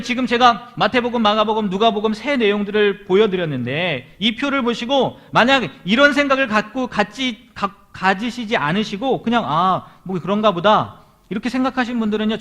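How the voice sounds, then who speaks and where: A man's voice: sits high, lively intonation, quick pace, fairly bright tone. A male pastor preaching to a young adult congregation in church, and he often puts questions to his listeners. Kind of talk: sermon. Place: church hall.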